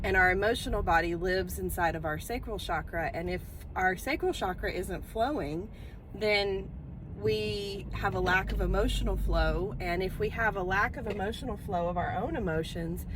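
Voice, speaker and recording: A woman with a head cold and a slightly nasal voice, chatting casually about spiritual topics from inside a car, rambling gently with frequent ums. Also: medium pitch, normal speed. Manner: relaxed, rambling, with frequent ums and soft trailing phrases. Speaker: spiritual teacher hosting her channel. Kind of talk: casual spiritual talk to camera. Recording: loud car and street noise behind.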